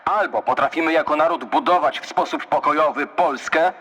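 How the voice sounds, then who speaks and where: A man's voice: on the high side, fairly quick, a bit bright, husky. A man playing quoted historical witnesses and speakers with vivid, declamatory delivery in an audio documentary. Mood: solemn, emphatic. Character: male eyewitness reading journalist's account and political speech. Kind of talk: dramatised quotations in children's audio documentary.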